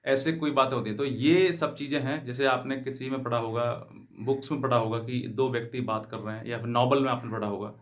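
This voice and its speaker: A man's voice: mid-range voice, steady tone, a little fast, hardly any pauses. A man giving an explanatory legal advice talk to viewers, often rephrasing himself and glossing English terms in Hindi. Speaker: legal advice channel host.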